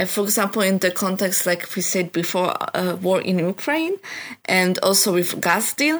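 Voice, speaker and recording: Her loudness stays very even, with ordinary pitch variation. The woman speaks at a moderate pace and medium pitch. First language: not English. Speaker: youth project volunteer and podcast co-host. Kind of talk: casual podcast chat.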